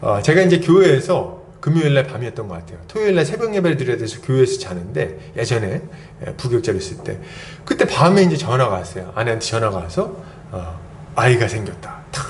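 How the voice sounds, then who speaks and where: A man's voice: medium pitch, fast talker, a little hiss or hum. A man in his thirties, a pastor, preaching a Sunday sermon and telling stories with many rhetorical questions. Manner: lively storytelling with rhetorical questions.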